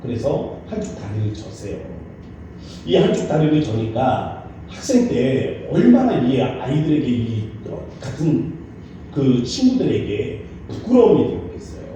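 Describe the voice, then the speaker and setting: A male pastor preaching dramatically, swinging between loud urgent peaks and hushed low asides. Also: big pitch swings, measured pace, a little hiss or hum. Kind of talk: sermon. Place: church sanctuary. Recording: echoey church hall, mic far off.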